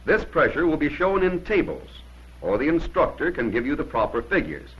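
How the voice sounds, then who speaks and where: A man's voice: fairly high pitch, wildly swooping pitch, normal speed, a bit bright, slightly rough, poor audio. A man narrating a 1950s instructional film in an emphatic, plain-spoken way, giving short commands on an old film soundtrack.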